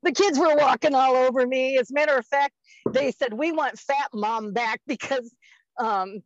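A woman's voice: high-pitched, moderate pace, no room sound. Woman in her 50s rambling on a podcast, lots of ums and laughs, muffled dry sound. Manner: rambling, laughs often, many fillers. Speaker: guest. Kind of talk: casual podcast chat.

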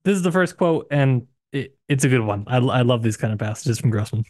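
A man co-hosting a casual book discussion podcast, hesitant and searching for words, with frequent restarts and sudden rises in pitch. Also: fairly quick, no echo, studio quality. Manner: hesitant, many restarts and hedges, animated pitch jumps. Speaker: podcast co-host discussing a novel.

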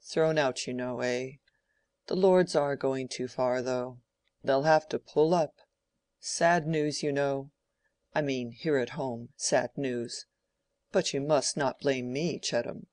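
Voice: mid-range voice, slow pace, darkish tone, dry recording, lightly acted. Older male squire, rambling and fretful, audiobook, reader doubling; dry booth. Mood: flustered. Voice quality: rambling, peppered with "you know". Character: rambling, distracted older male country gentleman. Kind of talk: audiobook character voice.

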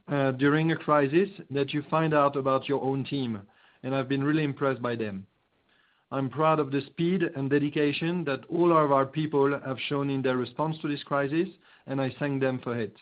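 A man speaks as a chief executive on an earnings call, reading prepared remarks in a stiff, formal way. His voice sits at a medium pitch and comes through a muffled, narrow conference phone line. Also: fairly even intonation, normal speed. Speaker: chief executive presenting quarterly results.

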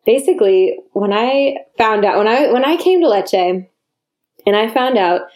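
An American woman hosts a podcast, chatting loosely and warmly with a fairly high voice. Her tone is soft and mellow rather than bright, full of relaxed fillers, and she talks from a small apartment bedroom. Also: moderate pace. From United States. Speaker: podcast host. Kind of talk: casual conversational interview.

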